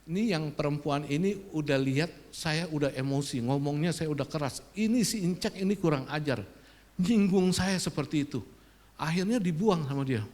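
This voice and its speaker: Male pastor, high-pitched, animated sermon storyteller in church. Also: moderate pace. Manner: animated, swings from loud outbursts to quiet confession.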